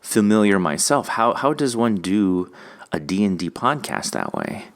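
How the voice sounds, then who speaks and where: A man's voice: lowish voice, animated, unhurried. A man hosting a podcast interview, chatting informally and enthusiastically in a rambling, conversational way. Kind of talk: casual interview chat.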